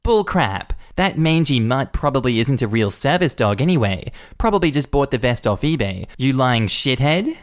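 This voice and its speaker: A man's voice: fairly high pitch, sing-song, measured pace, voice pushed up. A man voicing a rude, entitled middle-aged woman who screeches and sneers at everyone. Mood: sneering.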